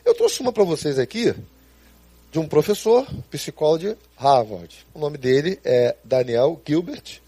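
A man preaching a sermon as a pastor, animated and storytelling, speaking straight to his listeners. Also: on the high side, a little slow, slightly rough, dry recording.

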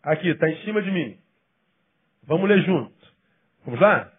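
A male pastor preaches a sermon with a fairly high, husky voice. He leans hard on key phrases, then falls to soft, low asides. The recording is thin and phone-like. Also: expressive. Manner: emphatic preaching with sudden drops to quiet, low asides; acts out quoted people in quick bursts.

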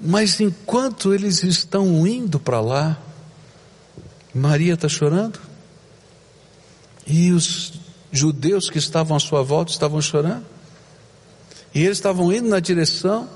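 High-voiced preacher in a reverberant church. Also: male voice, measured pace, long pauses, husky. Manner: dramatic, swings from loud to hushed. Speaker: pastor. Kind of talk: sermon.

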